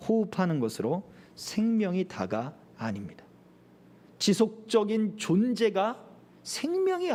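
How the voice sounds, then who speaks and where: A middle-aged man preaching as pastor, with a fairly high voice that leaps and drops through wide swings. He delivers the sermon animatedly, slipping into the voices of people he quotes. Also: darkish tone.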